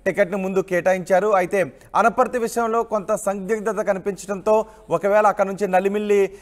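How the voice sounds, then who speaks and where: A man's voice: high-pitched, steady tone, a little fast. A man anchoring a live news bulletin and putting questions to a field reporter.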